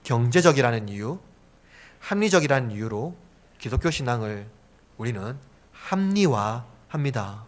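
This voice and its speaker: A male pastor giving an expository sermon. He asks the congregation questions and answers them himself, and often drops to a soft, hushed delivery on key words. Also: medium pitch, very animated, normal speed.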